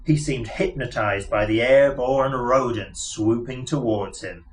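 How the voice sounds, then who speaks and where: A man's voice: medium pitch, measured pace. A man reading a novel aloud as scripted storybook narration. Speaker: audiobook narrator.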